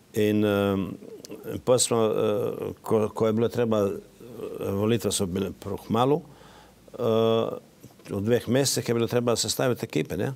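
A man with a Croatian accent and fairly even intonation. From Croatia, Dalmatia. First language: Croatian (speaking Slovenian). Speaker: former member of parliament, author; interview guest. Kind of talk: interview. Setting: studio. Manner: halting, many fillers. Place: studio. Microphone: lapel.

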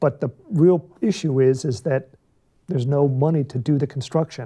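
Over a quiet background, a man speaks in a dark, mellow tone that is somewhat breathy, with ordinary pitch variation. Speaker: guest. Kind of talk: interview answer. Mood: friendly, relaxed. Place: studio.

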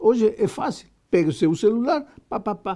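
Over a quiet background, a man with a dark, mellow tone speaks fairly slowly at a high pitch, with ordinary pitch variation. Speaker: Adventist pastor and preaching teacher; preacher teaching preaching. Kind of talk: preacher storytelling, personal anecdote in a preaching seminar. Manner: animated, emotional, dramatic retelling with vivid pauses; conversational, mixes Spanish and Portuguese. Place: studio. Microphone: lapel.

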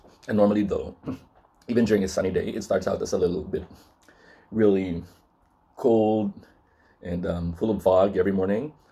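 The tone is dark and mellow, with fairly even intonation. Long pauses come often. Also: man, fairly low pitch for a man. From Philippines. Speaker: travel vlogger. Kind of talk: casual vlog monologue. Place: home room. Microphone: phone near.

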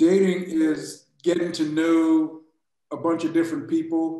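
Very slow speech with fairly even intonation, audible room echo and a quiet background. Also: man. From Bermuda. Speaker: church member. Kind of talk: casual discussion. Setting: video call. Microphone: video call.

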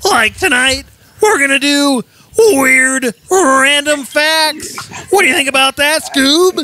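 A put-on character voice pitched high. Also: fairly slow pace. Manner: goofy, laid-back.

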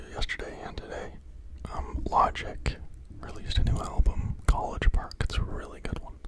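A man whispers at a moderate pace. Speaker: ASMR creator. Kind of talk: casual vlog chat. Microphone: studio mic.

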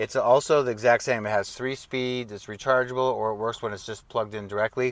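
A man talks very fast with fairly even intonation, the sound dry with no echo. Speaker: car-living vlogger. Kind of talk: casual vlog tutorial. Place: car. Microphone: lapel.

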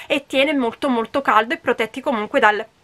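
A woman speaks in a raised, projected voice. Her pace is fairly quick. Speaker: presenter. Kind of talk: tutorial. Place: shop.

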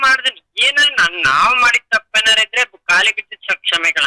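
A man, heard in a dry, close sound with no echo. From Karnataka, near Shivamogga. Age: 50s. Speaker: caller, private tutor. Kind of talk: phone-in advice call. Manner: halting.

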